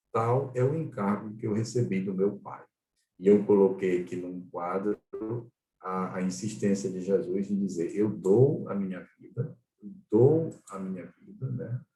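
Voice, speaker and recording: A man's voice: fairly low pitch, mellow. A Brazilian man leading an online Bible study, explaining scripture in a didactic way as he reads it aloud. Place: online video-call class. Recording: roomy echo, distant microphone.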